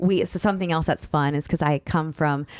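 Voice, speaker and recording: A woman with a Texas accent and a very deep, low pitch, fairly even in intonation, with music in the background. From South Texas (Olivia, between Houston and Corpus Christi). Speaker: chamber of commerce executive. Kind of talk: casual chat.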